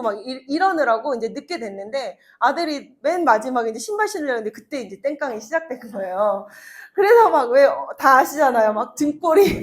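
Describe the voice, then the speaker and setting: A woman in her thirties giving a chatty motivational talk to an audience, telling personal stories with laughs and acted-out quotes. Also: high voice. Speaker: network marketing speaker.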